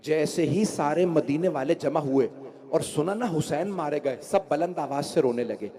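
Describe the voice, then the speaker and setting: A man's voice: a little high, moderate pace, a crowd in the background. A male cleric reciting a mourning sermon, lamenting and rising into wailing cries. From India. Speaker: Shia cleric reciting a majlis. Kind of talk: emotional sermon narration.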